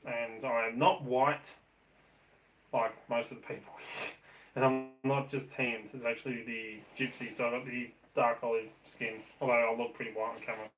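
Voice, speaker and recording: A man's voice: mid-range voice, level tone, normal speed, a bit bright, slight background noise, rough recording. Australian man in his thirties, easygoing livestream host, casual and chatty, webcam audio. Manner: chatty, laid-back, swears casually. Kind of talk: casual live-stream chat. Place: small bedroom indoors.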